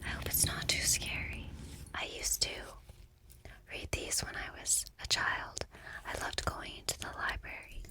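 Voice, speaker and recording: A middle-aged woman, quiet and soft-spoken, whispering gently in an ASMR talk and reading a book aloud. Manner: gentle, unhurried, soothing. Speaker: ASMR creator.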